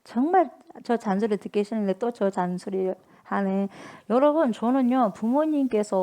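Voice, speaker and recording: A woman's voice: mid-range voice, vocal fry, dark tone. A woman pastor preaching a sermon in an emphatic, repetitive, conversational way.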